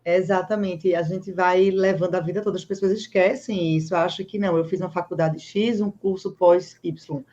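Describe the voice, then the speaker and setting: A woman's voice: lowish voice, fairly even intonation, normal speed, few pauses, warm tone, highs cut off. A woman hosting an interview, speaking in an affirming, conversational way. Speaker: host, doctor. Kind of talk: casual interview talk.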